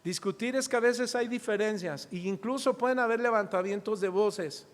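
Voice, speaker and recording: Mexican pastor preaching in an echoey church. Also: male voice, high-pitched, normal speed. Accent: Mexican Spanish. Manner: preaching with rhetorical questions and acted-out anecdotes. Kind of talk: sermon. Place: church hall. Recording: reverberant church hall.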